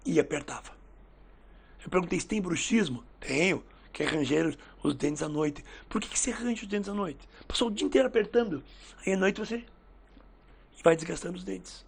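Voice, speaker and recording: A man with a fairly high, husky voice and a gravelly edge tells stories in a relaxed podcast chat. He acts out what people said in lively little voices. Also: moderate pace. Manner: lively storyteller who acts out quoted dialogue. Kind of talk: casual podcast chat, storytelling.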